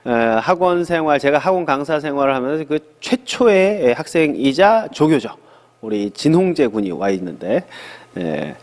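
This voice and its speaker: A middle-aged man teaching an English lesson in a studio, lively and chatty, asking questions and answering them himself. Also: fairly high pitch, long reverb tail. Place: small studio.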